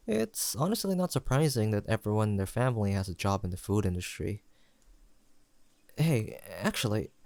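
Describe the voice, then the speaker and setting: A young adult man plays an affectionate best friend in an intimate audio roleplay. His fairly low voice is recorded close, dry and without echo, and he chats gently and sincerely with a playful, teasing streak.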